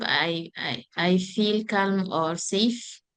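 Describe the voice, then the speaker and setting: Fairly even intonation comes from a woman with a non-native accent. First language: French. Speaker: student asking a question. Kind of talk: audience question. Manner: halting, hesitant.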